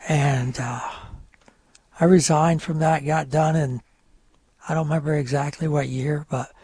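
A middle-aged man who grew up speaking French tells his story as a radio guest, wandering and halting. His voice is husky and a little high for a man. The sound is dry and close. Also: fairly even intonation, a little mellow, no room sound. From northern New York, French-speaking home. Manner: rambling, halting with many fillers. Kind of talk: casual radio interview storytelling.

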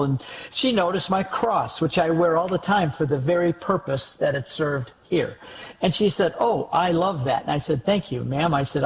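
A man's voice: on the high side, a little hiss or hum, poor audio. A man speaking as an interview guest, telling a story earnestly and urging listeners to act on their faith. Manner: earnest, exhorting.

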